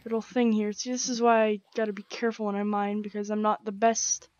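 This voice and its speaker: A young woman with a croaky, sore throat, rambling casually as she plays and comments on a game, full of slang and fillers. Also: mid-range voice, level tone, brisk, darkish tone, dry recording, dull audio. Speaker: gaming channel host. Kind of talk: casual let's-play commentary. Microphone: gaming headset.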